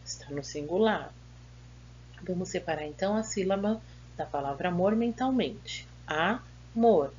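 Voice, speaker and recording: A woman's voice: lowish voice, lively intonation, moderate pace, a little mellow. A Brazilian woman teacher giving a remote grammar lesson, patiently asking and answering her own questions. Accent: Brazilian Portuguese. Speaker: school teacher. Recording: dull lo-fi audio with faint hum.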